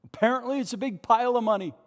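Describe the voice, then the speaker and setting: A man's voice: very high-pitched, racing. A male pastor preaching an impassioned sermon at a pulpit microphone in a large, nearly empty church, asking rhetorical questions. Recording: long church reverb.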